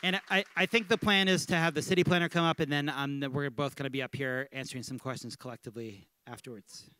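A man's voice: on the high side, fairly even intonation, fast talker, pushed and bright. A man casually wrapping up his talk to an audience, with fillers like "um" and "uh". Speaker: guest speaker. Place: event hall with audience, indoors.

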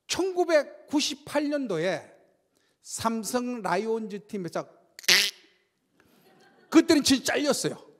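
An older man giving a lively sermon testimony in a church, telling stories with shouts and sound effects. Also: sits high, husky. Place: church sanctuary. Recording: long church-hall reverb.

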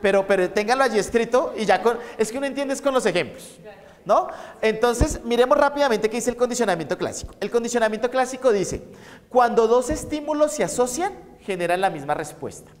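A man's voice: very high voice, animated, a little fast. A man lecturing on psychology, telling stories and repeating key points for his students to write down. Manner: storytelling, repeats points to dictate. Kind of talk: university lecture. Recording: echoey lecture hall.

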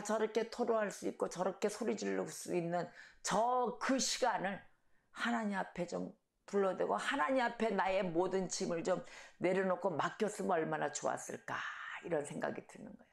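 A middle-aged woman pastor preaching a sermon, telling stories and acting out shouted quotes. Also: fairly low pitch, vocal fry. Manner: storytelling, animated, acts out shouted quotes. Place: church sanctuary. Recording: echoey church hall.

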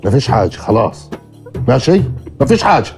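An actor playing a family man, insistently calming others and hushing up a shooting. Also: medium pitch, fast. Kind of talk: TV drama acting. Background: music.

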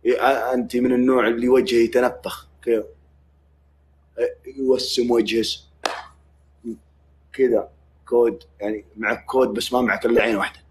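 Saudi male streamer, rapid joking banter, faint background noise. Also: mid-range voice, little pitch movement. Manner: joking, mock-threatening banter. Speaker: livestream host. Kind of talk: casual livestream chat.

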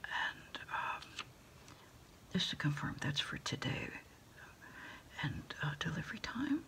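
A middle-aged American woman whispering softly and haltingly in a quiet ASMR roleplay, politely taking orders as if on the phone. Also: low-pitched, sing-song. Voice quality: breathy whisper with fry. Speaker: ASMR performer playing a takeout order taker. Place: small dim indoor desk space.

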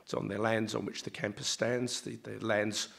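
A middle-aged man, a university leader, gives a formal welcome speech at a lectern in a large auditorium, his voice slightly croaky and his delivery halting with many ums and uhs. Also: on the low side, little pitch movement, a bit bright. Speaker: university vice-chancellor. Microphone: lectern microphone.

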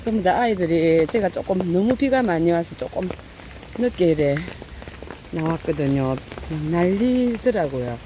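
A woman's voice: lowish voice, expressive, measured pace, mellow, rough recording. A middle-aged woman narrating casually outdoors as she feeds stray cats, with many fillers and a fond, coaxing voice when she calls to them. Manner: talks fondly to cats in a raised coaxing voice, lots of fillers. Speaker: cat-feeding vlogger. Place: outdoors in heavy rain. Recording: light rain noise outdoors. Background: rain falling.

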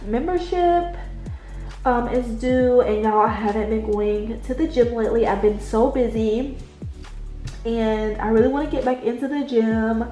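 A woman with a stuffed-up, congested voice talks her viewers through a planner in a slow, unhurried way, calling them y'all. The room echoes around her, and faint music plays underneath. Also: a little high, mellow. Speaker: budget planning vlogger. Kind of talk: casual chat while writing in a planner. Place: indoors at a desk at home, late at night.

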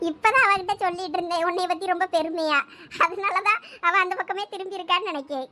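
A woman's voice: very high voice, a little fast, pushed and bright. A young woman, acting a cheeky, chatty college girl who teases her friend in a village comedy skit. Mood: teasing. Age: young adult. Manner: teasing, chatty, giggly. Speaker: comic skit actor.

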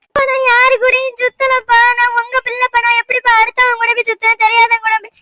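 A woman's voice: extremely high pitch, completely flat delivery, pushed and bright, dry recording. A woman voicing a tearful young village daughter with a Tirunelveli Tamil accent, pleading in a cartoon. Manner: pleading, drawn-out crying speech. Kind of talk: animated cartoon voice acting.

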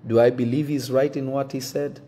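A pastor in his thirties, a native French speaker, talks to camera in a dark, mellow voice with a slightly husky grain. He is earnest and measured and often restarts mid-sentence to pick his words. He is recorded close up on a phone in an indoor room. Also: mid-range voice, flat delivery. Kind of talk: direct-to-camera address to his congregation. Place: indoor room with wooden shelves.

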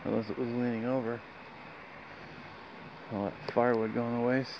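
A man with a creaky voice chatting casually and off the cuff as he vlogs outdoors on a trail, with dry asides. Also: mid-range voice, moderate pace. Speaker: hiking vlogger. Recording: dull lo-fi outdoor sound, steady noise.

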